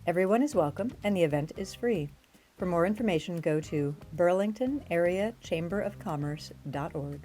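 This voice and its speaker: Mellow-voiced woman reading event listings. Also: lowish voice, lively intonation, normal speed, faint music behind. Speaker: community calendar presenter. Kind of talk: scripted announcements.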